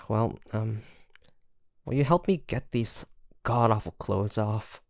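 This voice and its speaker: Slow, creaky, flirtatious pirate captain, acted out. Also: medium pitch, no room sound, studio quality. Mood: resigned, soft. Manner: halting, breathy sighs and soft laughs, teasing. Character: ambitious pirate captain, teasing, flirtatious and easily flustered. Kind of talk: intimate ASMR roleplay acting.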